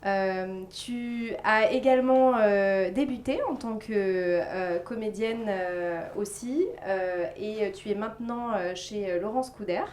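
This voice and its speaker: A woman's voice: medium pitch, takes it slowly, hardly any pauses, a little mellow, roomy sound. A woman hosting a podcast interview, introducing her guests with frequent hesitations. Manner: many hesitations, reads guest bios. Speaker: podcast host. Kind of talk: casual interview chat.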